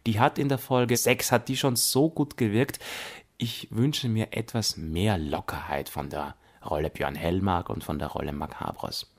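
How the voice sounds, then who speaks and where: An Austrian man with a fairly low voice talks through a review. He phrases things emphatically and deliberately, in the manner of a podcast critic. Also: steady tone. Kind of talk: spoken audio drama review.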